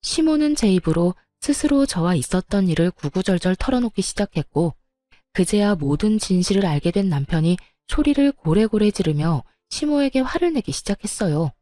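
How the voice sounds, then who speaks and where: A woman calmly narrating a first-person story from a script. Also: medium pitch, normal speed, no room sound, studio quality. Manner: calm, steady storytelling. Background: faint music.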